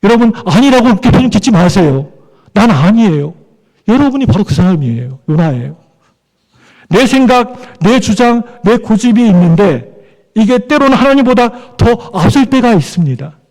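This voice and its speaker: A man's voice: sits high, sing-song, normal speed, darkish tone. A male pastor preaching a sermon in a conversational way, asking the congregation for amens. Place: church sanctuary. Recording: long church hall reverb.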